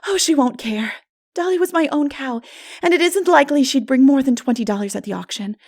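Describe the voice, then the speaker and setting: A woman's voice: high voice, fairly quick, pitched above the performer's own voice. A woman voicing an impulsive, melodramatic, talkative teenage girl in a breathless, exclamatory audiobook reading. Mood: fretful, rueful. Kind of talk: dramatic audiobook character voice.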